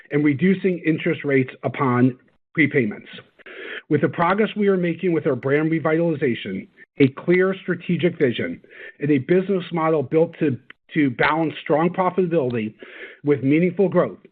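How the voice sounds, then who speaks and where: A man presenting as a company executive on an earnings call, reading scripted corporate remarks in a formal, measured way. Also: on the high side. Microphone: conference call line. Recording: band-limited, phone-like conference call audio.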